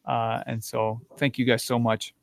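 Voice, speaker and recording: A man's voice: mid-range voice, level tone, gravelly, no room sound. Upbeat man hosting a podcast, dry sound. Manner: upbeat, halting with fillers. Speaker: podcast host. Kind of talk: casual podcast wrap-up.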